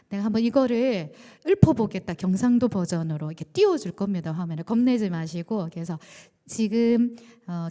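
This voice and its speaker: Woman pastor, casual and good-humored, mellow voice, reverberant church hall. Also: mid-range voice. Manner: chatty, warm-humored, with light laughs and fillers. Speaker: pastor leading a midweek service. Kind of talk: casual conversational leading of worship. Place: church sanctuary.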